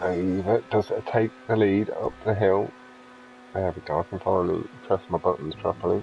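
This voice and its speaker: Music plays behind a man speaking at a moderate pace. His pitch is fairly low, with ordinary variation. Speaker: esports racing commentator. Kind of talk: live commentary.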